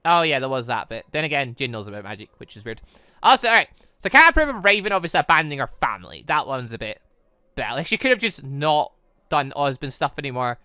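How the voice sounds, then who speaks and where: A man reading a visual novel aloud and commenting off the cuff, often stumbling and correcting himself as he rambles excitably. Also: mid-range voice, fast talker, clean tone, dry recording, clean studio sound. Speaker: gaming channel host.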